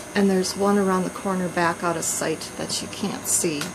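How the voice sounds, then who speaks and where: A woman is speaking with audible room echo. Noticeable background noise runs behind her. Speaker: craft video maker. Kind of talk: casual room tour. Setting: home craft room, handheld camera.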